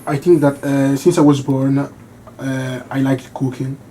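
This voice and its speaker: Young italian-born guy, catering student, flat mellow voice, lots of uh's. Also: medium pitch, measured pace, a little hiss or hum. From Italy. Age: young adult. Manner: hesitant, many "uh" fillers, short answers. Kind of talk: interview answers.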